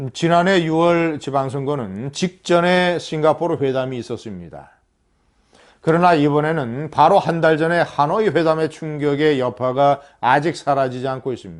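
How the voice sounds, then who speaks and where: Here is an ordinary speaking voice from a man, fairly high in pitch with ordinary pitch variation. He keeps a moderate pace against a quiet background. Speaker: political commentator. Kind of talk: political commentary monologue. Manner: formal.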